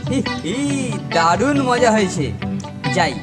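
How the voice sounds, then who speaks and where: A man's voice: sits high, expressive, slow pace. A man voicing a boastful, greedy older schoolboy bully in a children's cartoon, teasing and theatrical. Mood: smug. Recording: long reverb, music behind.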